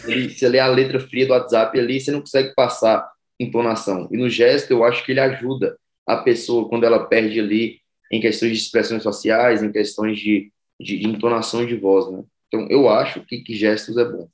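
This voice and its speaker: A man's voice: on the low side, little pitch movement, brisk. A male university student talking chattily over a video call, sharing his experiences in a class discussion. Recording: roomy echo.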